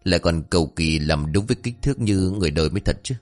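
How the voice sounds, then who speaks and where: A man voicing a gentle young village woman who scolds her wayward older brother in an exasperated, quick manner. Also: low voice, animated. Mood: exasperated scolding.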